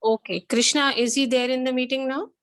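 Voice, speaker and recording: Woman, South Asian accent, high-pitched, dry close sound, stern schoolteacher, insistent questions. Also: steady tone, brisk, no echo. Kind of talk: online class talk to pupils.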